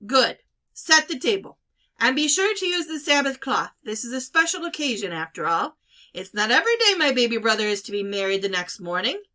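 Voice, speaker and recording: A woman's voice: on the high side, very animated, sharp tone. A woman voicing a bossy, exasperated older sister from a village in a storybook reading. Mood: brisk, bossy. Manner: brisk, exasperated, commanding. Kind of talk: children's novel read-aloud.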